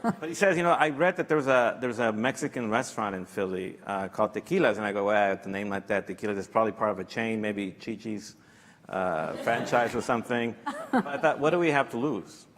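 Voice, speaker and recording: A man telling stories on a panel in a lively way, laughing readily. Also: fairly low pitch, brisk. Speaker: panel speaker. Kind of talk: storytelling on a panel. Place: lecture hall. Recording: reverberant lecture hall.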